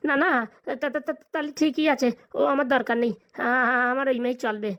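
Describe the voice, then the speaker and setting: A woman's voice: sits high, fairly quick, fairly bright tone, lo-fi sound. A woman voicing a nervous, balding young bridegroom in a comic cartoon, hesitant and deferential. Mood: nervous, pleading.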